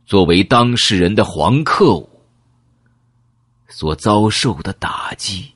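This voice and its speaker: Male audiobook narrator, very deep and husky, dry close mic, emotive reading. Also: animated, takes it slowly, a bit bright, no echo. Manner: emotive storytelling, first-person.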